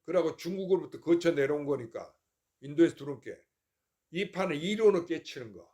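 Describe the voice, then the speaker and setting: Older monk preaching with a high voice. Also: male voice, lively intonation, a little fast, dark tone. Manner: folksy and rhetorical, keeps asking listeners if they follow. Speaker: Buddhist monk giving a Dharma talk. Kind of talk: informal sermon to a temple congregation.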